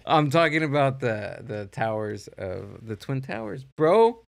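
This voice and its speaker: Halting gravelly-voiced man hosting a podcast. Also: mid-range voice, big pitch swings, dry recording. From Mexico. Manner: rambling, halting, many restarts. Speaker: podcast host. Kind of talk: casual podcast chat. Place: podcast studio.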